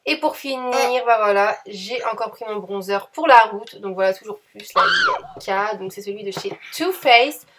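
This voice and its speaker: A woman's voice: mid-range voice, wildly swooping pitch, unhurried, few pauses, a bit bright, slight background noise. Chatty young woman doing voice-over. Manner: chatty, enthusiastic, addresses viewers as girls. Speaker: beauty vlogger. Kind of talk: makeup tutorial voice-over.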